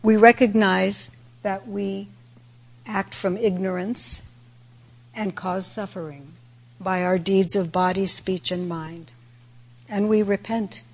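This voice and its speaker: A woman delivers a reflective Buddhist talk at a very slow pace. Her voice is raspy and creaky, and she sets out each phrase deliberately. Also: medium pitch, fairly even intonation, darkish tone. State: raspy voice today with throat clearing. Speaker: Buddhist teacher giving a dharma talk. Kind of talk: sermon, reflective religious talk.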